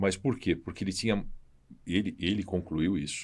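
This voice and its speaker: At a moderate pace, a man talks in a fairly low voice, recorded very cleanly with a silent background. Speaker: podcast host. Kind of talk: casual chat.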